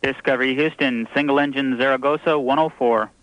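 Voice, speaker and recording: A man's voice: medium pitch, steady tone, a little fast, a bit bright, poor audio. Man on a radio transmission link. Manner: clipped, procedural. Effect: radio air-to-ground transmission. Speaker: mission control radio operator. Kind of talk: terse radio callouts.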